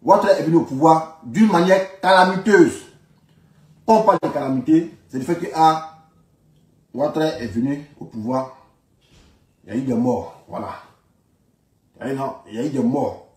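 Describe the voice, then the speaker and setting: With long pauses at a moderate pace, a man from Ivory Coast with an Ivorian accent holds forth on politics in an informal, emphatic and argumentative rant, often repeating himself. His voice is slightly high with a darkish tone, recorded in an echoing, roomy space.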